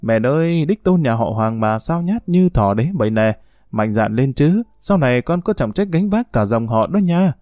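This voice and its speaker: Storybook: man plays a stern middle-aged aunt, teasing yet firm, dark-toned. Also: mid-range voice, expressive, normal speed, dry recording, clean studio sound, close to an everyday voice.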